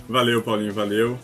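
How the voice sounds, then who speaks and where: A Brazilian man with a warm, smooth leading-man voice, chatting casually as a guest in a live sports discussion. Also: on the low side. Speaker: guest panelist.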